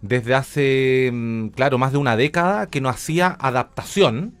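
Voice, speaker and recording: Chilean guy as a radio guest, medium pitch, informal and keen, explaining stuff as he goes. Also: measured pace, fairly bright tone, smooth. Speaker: interview guest, radio drama director and academic. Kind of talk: conversational radio interview.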